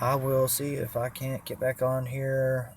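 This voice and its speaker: This man's voice sits at a medium pitch and is somewhat breathy. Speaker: YouTuber doing live Q&A on homemade electronics. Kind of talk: live stream Q&A. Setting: live stream from laptop. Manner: halting, many fillers and repeats.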